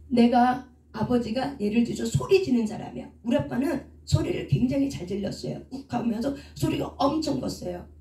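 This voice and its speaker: A woman's voice: fairly high pitch, dark tone, far from the mic. A middle-aged woman counselor giving a teaching sermon, asking the congregation rhetorical questions and answering them herself. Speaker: counselor and preacher. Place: church prayer hall. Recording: echoey room, speaker away from the mic.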